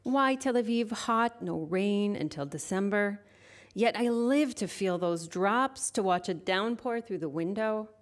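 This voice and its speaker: A middle-aged woman poet speaks into a stage microphone at a literary evening. Her voice sits at an everyday middle pitch. She introduces her work in a halting, searching way, then reads her poems slowly and with care. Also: lively intonation. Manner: hesitant, halting introduction, then slow measured reading. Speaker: poet and university lecturer. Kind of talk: poetry reading with spoken introduction.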